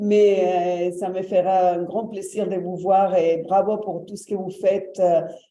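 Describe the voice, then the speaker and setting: Amid noticeable background noise and audible room echo, a woman with a Spanish accent speaks at a fairly slow pace, with a medium pitch and fairly even intonation. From Spain. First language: Spanish (speaking French). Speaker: public health official. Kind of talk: panel conversation. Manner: halting, many hesitations.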